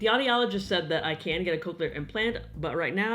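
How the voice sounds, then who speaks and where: A woman rattles along very fast with lively intonation as noticeable background noise plays behind her. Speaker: video blogger. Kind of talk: personal vlog talk. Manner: clear speech.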